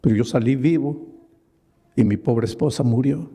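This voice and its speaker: A man's voice: medium pitch, moderate pace, mellow, husky. A man preaching a sermon, voicing a grieving man's tearful confession. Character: grieving middle-aged man confessing his past.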